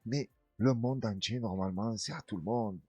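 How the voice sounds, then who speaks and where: A man hosting a casual news commentary, chatty and full of street slang. His voice is husky, the sound dry and close, with faint music underneath. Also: fairly low pitch, normal speed, dry recording. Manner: animated storyteller, voicing others in his tales. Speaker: host of a news commentary stream.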